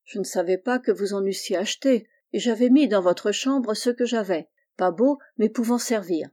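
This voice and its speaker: A woman's voice: medium pitch, moderate pace, mellow, lightly acted. A woman reading the part of a talkative, bustling middle-aged mother-in-law. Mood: chatty.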